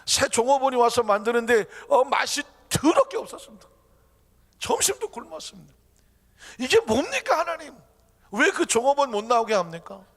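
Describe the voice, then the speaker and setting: A man's voice: very high voice, brisk, vocal fry, hardly any pauses, voice pushed up. A pastor acting out a frustrated Christian man who is complaining to God about his day. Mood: aggrieved. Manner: indignant, whiny protesting. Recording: long reverb of a church hall.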